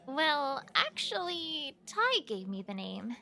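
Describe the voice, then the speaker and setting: A woman's voice: high-pitched, sing-song, slow pace, gravelly, bright, forceful tone, heavily acted. A woman playing a cute, friendly young girlfriend in an amateur audio story. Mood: cheerful, chatty.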